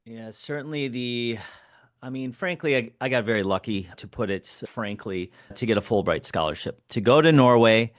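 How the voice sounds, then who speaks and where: A man's voice: mid-range voice, normal speed, no echo, studio quality. A man from Wisconsin, a professor, speaking as an interview guest in an earnest, reflective way. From Wisconsin, United States.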